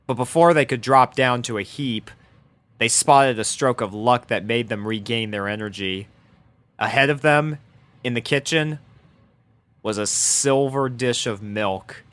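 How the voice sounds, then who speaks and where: A man's voice: medium pitch, a bit bright, no room sound. A man reading a scripted story aloud as narrator, in a dramatic storybook manner. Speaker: fan fiction narrator.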